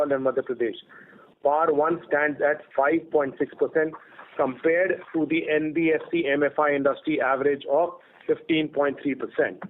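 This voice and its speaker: A man with an Indian accent delivers a scripted corporate presentation. His voice sits a little higher than most men's, and he speaks formally and steadily, like an executive reading prepared remarks. The sound is thin and narrow, as heard over a telephone conference line. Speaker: company executive presenting results on an earnings call.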